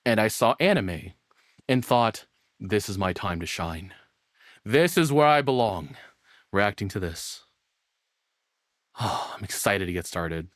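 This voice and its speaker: A man doing casual live reaction commentary as a streamer, excitable and rambling, swearing freely. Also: fairly low pitch, no echo, studio quality. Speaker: VTuber streamer reacting to videos.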